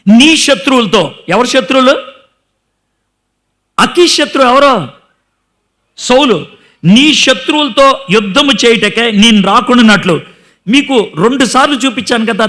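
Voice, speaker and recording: High, bright-voiced male preacher. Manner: emphatic, rhetorical questions, dramatic retelling. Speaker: pastor. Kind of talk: sermon.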